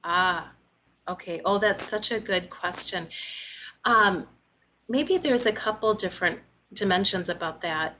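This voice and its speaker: A woman therapist answering a caller's question in a thoughtful, gentle way with many pauses. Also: medium pitch, a little hiss or hum, rough recording. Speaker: guest, therapist. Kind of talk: reflective interview answer.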